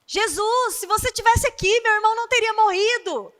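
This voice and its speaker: A woman's voice: very high-pitched, brisk, a bit bright, long reverb tail, pitched above the performer's own voice. A woman preacher voicing a grieving, anxious woman who urgently pleads with Jesus. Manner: urgent, reproachful plea.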